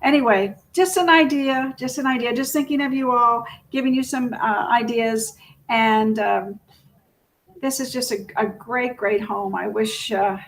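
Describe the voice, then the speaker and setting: A woman's voice: on the high side, fairly even intonation, measured pace. A woman presenting a casual unscripted video as a real estate agent, chatty, rambling and self-deprecating.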